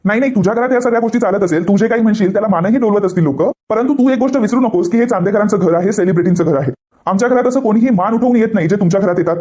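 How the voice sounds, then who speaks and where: A man's voice: high-pitched, very fast, dark tone, close to an everyday voice. A man voicing a haughty mother-in-law who talks down scornfully to her son's wife.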